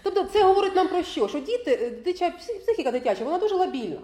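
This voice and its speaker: A woman lectures parents, laughing often and repeatedly checking that they're following along. Her very high voice has big pitch swings and a dark tone, and she races through her words.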